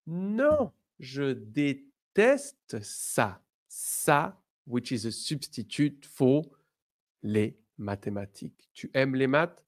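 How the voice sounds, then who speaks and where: A male teacher leads a beginner lesson. He speaks very slowly, giving each word room. His pitch swings up and down with lively emphasis. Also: vocal fry. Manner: slow, deliberate, lively, switches between English and French. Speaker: French teacher.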